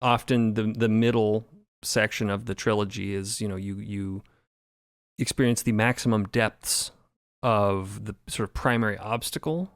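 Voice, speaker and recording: A man's voice: fairly low pitch, fairly even intonation, moderate pace, smooth, no echo. Articulate man with a dry, close sound. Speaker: podcast creator and narrator discussing the show. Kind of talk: roundtable discussion.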